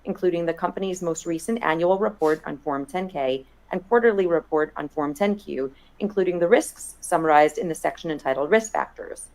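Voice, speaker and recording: Low-voiced woman reading a corporate statement. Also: a little fast, hardly any pauses, a little mellow, poor audio. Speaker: investor relations executive. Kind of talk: formal scripted corporate reading. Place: earnings conference call.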